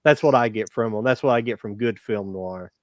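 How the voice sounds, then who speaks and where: A man's voice: fairly low pitch, fairly quick, dry recording. A man hosting a casual movie podcast who explains his views at length in a reflective way. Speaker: podcast host.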